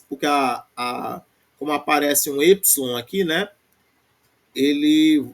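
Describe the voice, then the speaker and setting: A man with a Brazilian Portuguese accent gives a recorded grammar lesson. His voice sits a little high for a man. Overall he talks at an unhurried pace, drawing out each recited form before rattling off short explanations. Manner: recites declension forms slowly, then explains in quick bursts with frequent "né?". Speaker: Greek language teacher.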